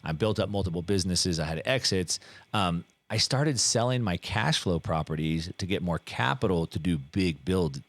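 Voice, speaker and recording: A middle-aged man telling his life story in a casual interview, animated and full of fillers and restarts. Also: low voice, normal speed, no room sound. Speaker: guest.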